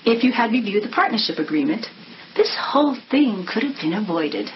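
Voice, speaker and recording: An actress playing a stern, exacting office boss in a screen drama. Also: female voice, medium pitch, big pitch swings, fairly quick, lightly acted. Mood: stern, reproachful. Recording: dull sound with faint noise.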